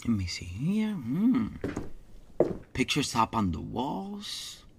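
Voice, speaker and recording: A woman's voice: very deep voice, very animated, takes it slowly, creaky, noisy background, full character voice. A woman playing a nosy, jumpy, muttering snoop in an audio drama, with Spanish-influenced Latino English. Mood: curious muttering.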